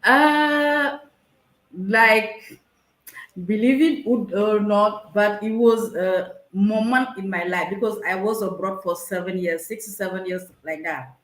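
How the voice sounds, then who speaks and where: Female guest, hesitant, restarts often, middle pitch, roomy sound. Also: slow pace. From Senegal. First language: French. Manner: hesitant and searching for words, many restarts. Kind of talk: conversational interview over a live stream. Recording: echoey room.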